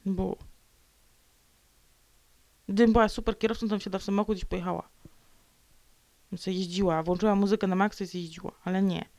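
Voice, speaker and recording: A woman's voice: mid-range voice, fairly even intonation, a little fast, pauses often, darkish tone, no echo. A woman vlogger talking alone in a sulky, ranting way, slipping into whispered mutters and playful growls. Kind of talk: grumbling solo monologue.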